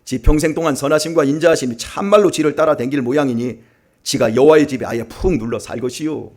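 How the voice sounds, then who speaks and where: A man preaching a Sunday sermon as pastor, reading a psalm aloud in regional dialects with lively, rising energy. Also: quick pace. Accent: Gyeongsang Korean, put on for a reading. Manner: lively, raises pitch and volume when reading dialect. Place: church sanctuary.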